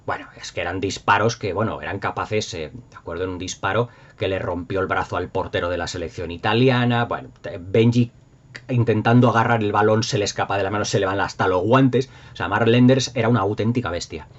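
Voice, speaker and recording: A middle-aged YouTube host from Spain, speaking with a Spanish accent in a lowish, brisk voice, chats casually and nostalgically with viewers. He's enthusiastic, rambling and emphatic. The recording has a dull lo-fi sound.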